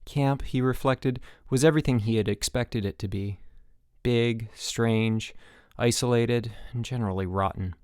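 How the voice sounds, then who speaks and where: A man's voice: mid-range voice, steady tone, unhurried, darkish tone, clean tone, dry recording, studio quality. A man narrating fiction as a scripted audiobook reading.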